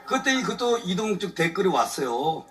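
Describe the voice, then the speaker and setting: A man's voice: sits high, sing-song, brisk, distant mic. A man, a lawyer, giving a colloquial testimony at a church service, telling his grievances with frequent chuckles. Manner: colloquial, chuckles often, aggrieved storytelling. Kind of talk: animated testimony talk. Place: church evening service before a congregation.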